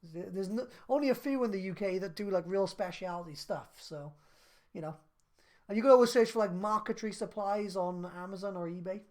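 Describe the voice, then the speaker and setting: A man in his thirties on a live stream, reading out viewer questions and answering them in a relaxed, chatty way with lots of fillers. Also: sits high, fairly quick. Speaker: craft business live streamer.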